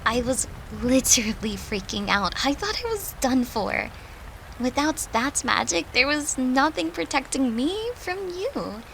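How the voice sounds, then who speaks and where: A tender human girlfriend played by a woman speaks slowly and earnestly, straight to her lover, in an intimate audio roleplay. Her voice sits on the high side, and there is faint noise behind it. She is an occult summoner, soft and confiding as she comforts. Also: big pitch swings, exaggerated voice, low-quality recording. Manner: soft, earnest, confiding, with sighs and breathy laughs.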